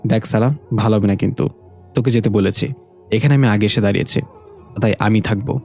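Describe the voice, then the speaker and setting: A bumbling young sidekick who gets scared easily and pleads when he is flustered, as a male storyteller plays him. His voice is mellow and warm, with faint music underneath. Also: lowish voice, brisk, creaky. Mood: quarrelsome.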